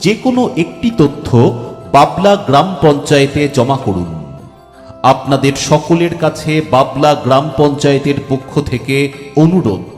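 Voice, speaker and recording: A man making a formal public announcement for a village council through a loudspeaker mic, in a measured, reading-out manner. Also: a little high, animated. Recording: echoey hall reverb with faint music.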